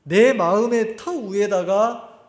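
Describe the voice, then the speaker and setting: A male pastor with a high voice preaches slowly in a church sanctuary, and the recording echoes around the room. His sermon is conversational: he acts out scenes and puts questions to the congregation.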